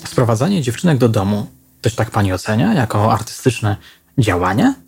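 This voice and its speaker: A man voicing a hot-tempered young woman police investigator who talks in a sharp, pushy way. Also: on the low side, big pitch swings, moderate pace, vocal fry. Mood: accusing.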